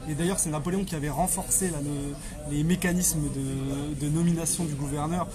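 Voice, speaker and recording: A man's voice: on the high side, steady tone, a little fast, music in the background. A man, an interview guest explaining history conversationally, often repeating and rephrasing his phrases.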